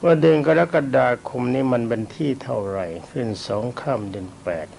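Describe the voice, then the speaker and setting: A man's voice: mid-range voice, expressive, creaky, a little mellow, slight background noise. An elderly man, a Buddhist monk, giving a rambling, self-deprecating dharma talk while ill and coughing often. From Thailand. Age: older. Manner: rambling, self-deprecating, pauses to recall names and dates.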